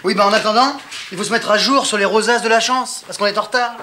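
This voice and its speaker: A man's voice: sits high, fast talker, sharp tone, slight background noise. A jittery charming con man. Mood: scheming. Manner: nervous, evasive chatter with restarts. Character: fast-talking likable male con man. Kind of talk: 1980s television comedy acting.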